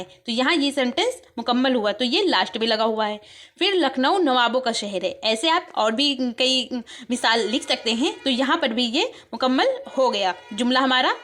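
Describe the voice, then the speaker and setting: Indian woman teacher, high voice, patient step-by-step explainer for an online lesson. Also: fairly bright tone. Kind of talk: explaining an exam paper.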